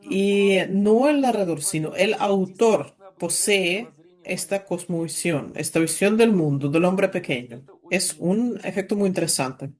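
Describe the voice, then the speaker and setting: A man giving a literature lecture over a video call, explaining in a measured way with occasional halting restarts. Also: sits high. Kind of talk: academic lecture.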